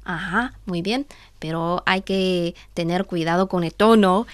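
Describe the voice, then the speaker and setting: Slow-spoken woman. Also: fairly low pitch, no room sound, studio quality. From China. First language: Chinese. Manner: slow, careful, drilling pronunciation. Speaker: language teacher and co-host. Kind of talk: radio language lesson.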